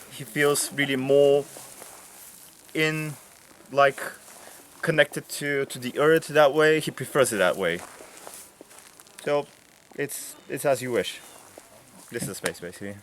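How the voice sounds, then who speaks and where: Young adult man, Bulgarian accent, mid-pitched voice, relaxed outdoor walk-and-talk with a faint rural hum behind. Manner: relaxed, with frequent fillers and restarts. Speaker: volunteer giving a tour. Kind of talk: casual explanatory tour. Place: outdoors in a rural garden and field.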